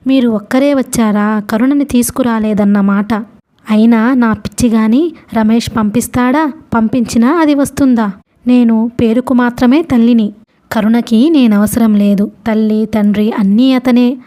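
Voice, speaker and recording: A woman reading the part of a grieving mother who talks in a hurried rush, half angry and half dejected. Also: fairly high pitch, fairly even intonation, dark tone, close to an everyday voice. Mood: bitter, hurt. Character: grieving bitter mother, middle-aged woman.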